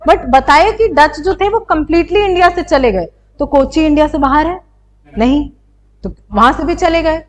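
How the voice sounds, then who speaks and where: A young woman teacher giving an exam-prep lecture, explaining and asking her students rhetorical questions. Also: high voice.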